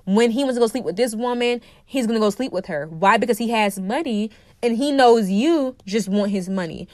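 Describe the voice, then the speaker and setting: A woman's voice: on the high side, moderate pace, a little mellow, no room sound, clean studio sound. Congested woman preaching on a podcast. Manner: emphatic, preachy, repeats key phrases. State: congested from a cold. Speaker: podcast host and dating coach. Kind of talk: opinionated solo podcast monologue.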